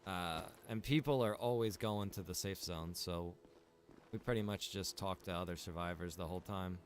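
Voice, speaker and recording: A man's voice: sits low, normal speed, slight background noise. A man chatting casually as he livestreams a game, rambling along in a laid-back way. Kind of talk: casual livestream chat while gaming.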